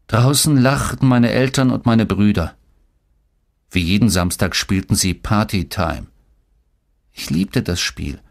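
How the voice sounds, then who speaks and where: A man narrating a children's story in a steady, measured way. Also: fairly low pitch. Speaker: audiobook reader. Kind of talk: scripted narration.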